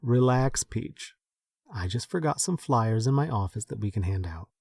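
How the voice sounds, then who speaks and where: A composed supervisor, dry sound. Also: male voice, mid-range voice, lively intonation, normal speed, creaky, darkish tone, slightly rough, no echo. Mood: relaxed. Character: guarded, courteous male office supervisor in work mode. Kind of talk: audio drama acting.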